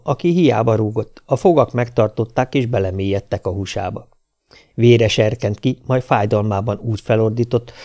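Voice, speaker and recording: A man narrating a short story as an audiobook reader, telling it in a lively way. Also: on the low side.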